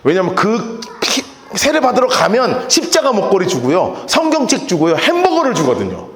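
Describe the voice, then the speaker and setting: Male pastor, high voice, call-and-response questions, joking, echoey church hall. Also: normal speed. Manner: asks the congregation frequent call-and-response questions; animated and joking. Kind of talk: Bible-study sermon. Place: church sanctuary.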